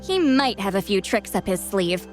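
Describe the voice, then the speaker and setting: A woman's voice: mid-range voice, lively intonation, moderate pace, soft background music, close to an everyday voice. A woman playing a candid, self-assured, protective tribal mentor in a video game, speaking informally. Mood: regretful, fond.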